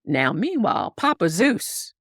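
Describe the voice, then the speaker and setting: A woman's voice: lowish voice, sing-song, unhurried, gravelly, no echo, studio quality. A woman guest telling a story in conversation, acting out characters with big swings in voice. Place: Harlem upbringing.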